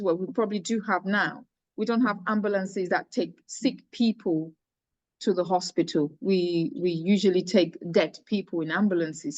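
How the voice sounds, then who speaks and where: A middle-aged woman speaks in a mid-pitched voice, recounting her life story earnestly with frequent restarts. The sound is dry and close, with no room echo. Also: lo-fi sound. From Cameroon. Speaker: charity founder, guest. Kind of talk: personal story in interview.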